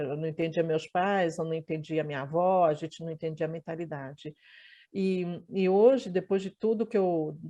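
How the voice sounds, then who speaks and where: A Brazilian woman in her forties telling her life story in an interview, thoughtful and halting, with many restarts. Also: on the low side, warm tone. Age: 40s.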